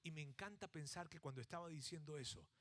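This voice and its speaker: A middle-aged man from Mexico, a pastor with a Mexican accent, preaches quickly in a fairly high voice. His sermon's stories are animated, alternating between dramatized shouts and hushed stress.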